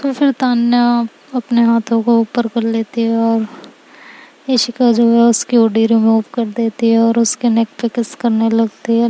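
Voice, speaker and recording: A woman narrating a story in a calm, even way, linking events with frequent small fillers. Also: fairly high pitch, rough recording.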